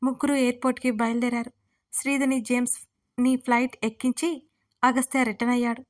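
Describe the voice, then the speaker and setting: Female narrator, audio serial; fairly high, flat even reading. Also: a little fast. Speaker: storyteller. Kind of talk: scripted story narration.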